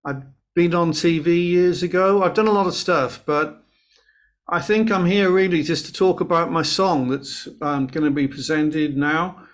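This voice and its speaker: A man's voice: on the high side, moderate pace. Man chatting on a video call. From Wales. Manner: chatty, storytelling, some restarts. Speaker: guest singer-songwriter. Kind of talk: casual interview chat.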